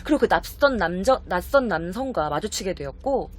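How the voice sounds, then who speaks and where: Woman telling a spooky tale, lively pitch. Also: normal speed. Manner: chatty, animated, acts out short quoted voices. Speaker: YouTube storyteller. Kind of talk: casual spooky storytelling.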